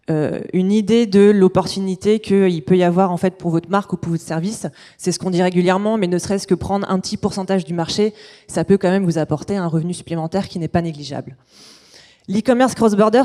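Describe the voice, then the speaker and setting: A woman, a company founder giving a business pitch presentation. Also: mellow.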